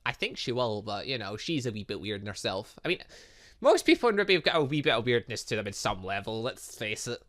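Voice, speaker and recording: A man's voice: fairly low pitch, very animated, quick pace, fairly bright tone. A man doing let's-play commentary, reading visual novel dialogue aloud with jokey asides and frequent stumbles. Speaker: gaming video host.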